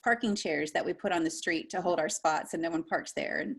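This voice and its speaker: A woman's voice: on the low side, a little fast, creaky, husky. A woman hosting a casual interview panel from Pittsburgh, upbeat and chatty. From Pittsburgh area. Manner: upbeat, chatty, laughs often. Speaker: podcast host.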